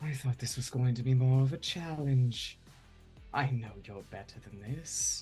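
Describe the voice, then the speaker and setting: Faint music plays in the background as a man uses a put-on character voice. His pitch is medium and his pace is moderate. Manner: disappointed, professorial.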